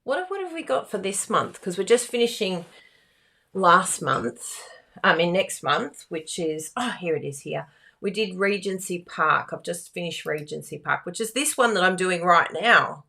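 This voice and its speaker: Giggly croaky woman hosting a craft class. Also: on the low side, animated, moderate pace, pushed and bright. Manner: chatty, giggly, self-teasing. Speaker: card-making instructor and livestream host. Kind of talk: live craft class chat.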